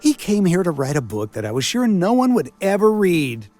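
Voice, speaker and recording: A man's voice: high-pitched, sing-song, normal speed, mellow. A sarcastic country coroner in a video game, who fancies himself a man of science. His delivery is theatrical and full of wisecracks, swooping up and down constantly over background music. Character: sarcastic village doctor and coroner, self-styled man of science. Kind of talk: video game character acting.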